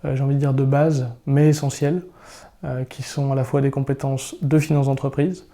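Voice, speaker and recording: A man's voice: medium pitch, level tone, brisk, warm tone. A man, a strategy consultant, giving a composed and articulate testimonial. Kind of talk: testimonial interview.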